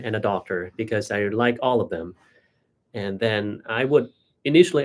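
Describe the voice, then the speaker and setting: A man with a Thai accent, a native Thai speaker, explaining things as a doctor hosting a casual Q&A. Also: mid-range voice. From Thailand. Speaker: doctor and live-stream host.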